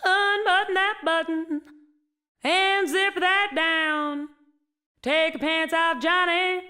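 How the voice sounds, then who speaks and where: A woman's voice: very high-pitched, fairly even intonation, takes it slowly, exaggerated voice. A woman voicing a brash, lusty singer in a comic country song, sultry and brazen. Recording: loud country band backing the singer.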